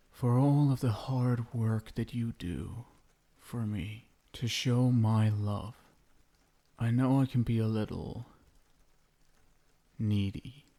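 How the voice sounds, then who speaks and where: A possessive, lovestruck vampire husband, acted by a man for an ASMR roleplay, menacing yet doting. His voice is low and dark, crooning very slowly with lingering pauses and a gravelly edge. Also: exaggerated voice. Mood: coaxing, adoring. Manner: hushed, crooning, lingering pauses, tender pet names. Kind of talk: intimate ASMR roleplay, soft and slow.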